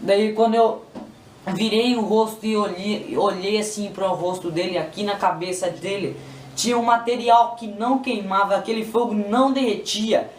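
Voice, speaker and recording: A Brazilian man with a Brazilian Portuguese accent gives an emotional religious testimony in a high voice at normal speed. His retelling is repetitive and pleading, and the recording sounds roomy, with a distant mic and faint noise.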